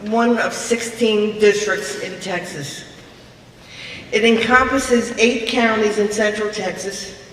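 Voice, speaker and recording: A woman's voice: mid-range voice, fairly bright tone. An older woman with a Brooklyn accent giving a prepared speech to a club meeting. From Brooklyn, New York. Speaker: guest speaker, club officer. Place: large echoey meeting room, live audience. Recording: distant mic, echoey hall, noisy room.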